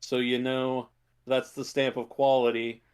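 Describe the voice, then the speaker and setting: A man chatting casually as a podcast co-host, in a halting way full of filler words and hedges. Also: mid-range voice, flat delivery, smooth. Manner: halting, hedging delivery with many filler words. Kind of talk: casual chat about video game movies.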